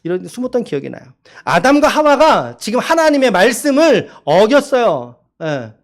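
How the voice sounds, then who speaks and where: Animated male pastor questioning his flock. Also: extremely high pitch. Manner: asks the congregation questions, reads scripture slowly. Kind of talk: sermon. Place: church sanctuary.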